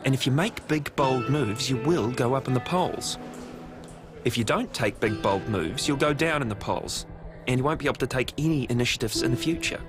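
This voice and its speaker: A man's voice: mid-range voice, lively intonation, moderate pace, over music. Emphatic male political commentator.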